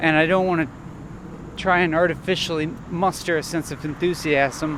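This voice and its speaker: A man's fairly high voice at a moderate pace, monotone and flat, amid noticeable background noise. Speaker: video blogger. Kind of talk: casual monologue. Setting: outdoors, walking.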